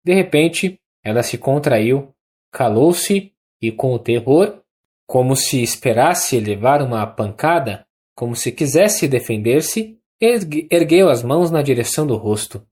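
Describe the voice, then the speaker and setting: An audiobook narrator with a Brazilian accent reading a classic novel in a measured, even way. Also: medium pitch, breathy edge. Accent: Brazilian Portuguese.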